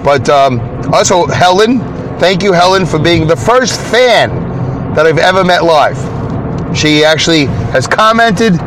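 A man's voice: fairly high pitch, expressive, unhurried, noisy background. A man with a Brooklyn accent hosting a casual solo podcast, rambling along, interrupting and repeating himself. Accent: Brooklyn, New York. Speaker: podcast host.

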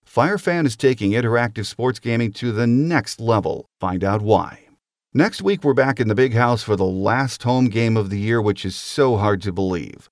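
A man's voice: lowish voice, no echo, studio quality. A man hosting a sports podcast, reading game notes and promos. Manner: steady announcer delivery, reading notes and promos. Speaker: podcast host.

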